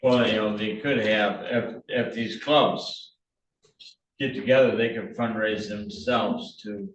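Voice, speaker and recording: A man's voice: on the low side, steady tone, slow pace, lo-fi sound. A man at a public meeting suggesting ideas, with hesitations. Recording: echoey, distant with faint noise.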